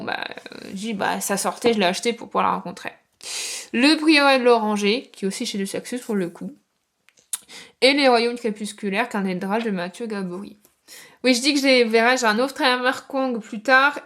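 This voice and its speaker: A woman's voice: a little high, a bit bright. A young woman showing her bookshelves in a casual vlog, rambling with lots of fillers. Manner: chatty, rambling with many fillers. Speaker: booktuber and author. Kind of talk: casual book-collection vlog. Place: home room with bookshelves.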